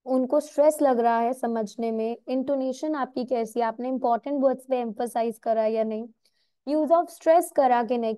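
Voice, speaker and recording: A woman's voice: on the high side, dark tone, dry recording. A woman with an Indian accent teaching an IELTS class live, mixing Hindi and English and often checking whether students follow. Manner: mixes Hindi and English, asks students if clear. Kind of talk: live online class lecture.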